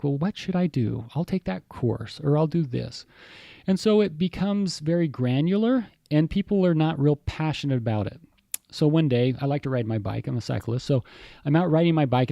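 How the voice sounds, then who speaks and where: A man talks as an interview guest, warming to his point with animated, enthusiastic storytelling. His voice is mellow and relaxed in tone, and the sound is dry and close, with no room around it. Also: mid-range voice, vocal fry, no echo. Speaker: HR executive guest. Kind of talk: interview conversation.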